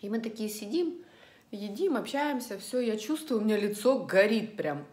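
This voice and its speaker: A woman's voice: mid-range voice, expressive, normal speed, darkish tone. A middle-aged woman vlogger chatting casually and ramblingly to her viewers about everyday things while eating at home. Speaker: lifestyle vlogger. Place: indoors at home in an echoey room. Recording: roomy, echoing indoor sound.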